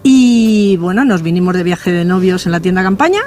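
Lively older woman from Madrid. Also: fairly low pitch, normal speed. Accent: Madrid Spanish. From Madrid, Spain. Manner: lively, humorous, storytelling. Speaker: guest, biologist and teacher. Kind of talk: casual interview chat. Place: village square outdoors.

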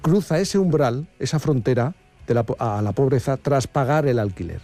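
Male radio host, mellow voice, explanatory, faint music bed. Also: mid-range voice, lively intonation, normal speed. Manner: explains figures steadily, with small restarts. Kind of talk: radio talk show.

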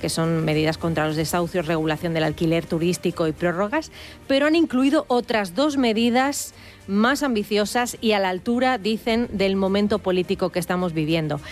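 Woman reporting the news, measured. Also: on the low side. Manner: measured, clear delivery. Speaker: radio reporter.

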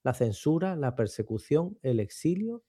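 A man talking through a book and its author in a relaxed radio chat, with thoughtful pauses and tag questions. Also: a little high, husky, dry recording, clean studio sound. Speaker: book commentator on a radio show. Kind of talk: conversational book commentary.

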